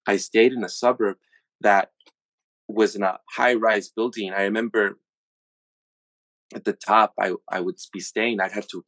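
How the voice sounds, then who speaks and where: A man in his thirties from the USA talks through his thoughts in casual conversation, often stalling on fillers and restarting his sentences. His voice sits a little low. The recording is dry, with no room sound. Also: fairly even intonation, measured pace, pauses often, fairly bright tone, dry recording, poor audio. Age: 30s. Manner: hesitant, many fillers and restarts.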